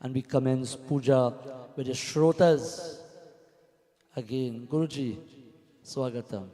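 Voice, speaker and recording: A man's voice: medium pitch, takes it slowly, mellow. A man giving a devotional sermon and welcome as a Hindu spiritual leader, exhorting with rhetorical questions and repeated phrases. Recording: reverberant hall, music behind.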